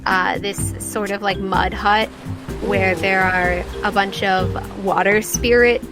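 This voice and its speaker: A woman narrating a tabletop game as game master, improvising casually and haltingly. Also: mid-range voice, fairly even intonation. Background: music.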